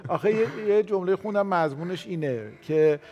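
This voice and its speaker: A man hosting a television book talk show, polite and measured. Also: high-pitched, highs cut off, faint music behind. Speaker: host.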